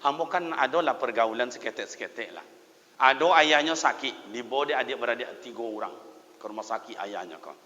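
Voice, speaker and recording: A man with a Minangkabau Malay accent preaching a sermon, telling folksy stories and moving between loud exhortation and hushed tones. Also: medium pitch, brisk. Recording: dull sound, long hall reverb.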